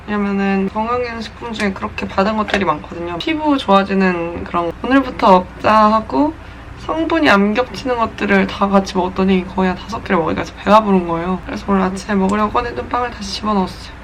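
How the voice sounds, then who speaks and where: A woman's voice: mid-range voice, slight background noise. A woman in her twenties talking casually and playfully as she narrates her day for a vlog. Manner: playful, chatty self-narration. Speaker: vlogger and broadcast reporter.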